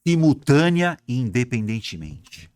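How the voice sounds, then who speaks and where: This clean, dry recording features a man with a medium-pitched voice talking at a measured pace. Leading a grammar class for exam preparation, he stays lively, speaks straight to the students, and answers his own questions.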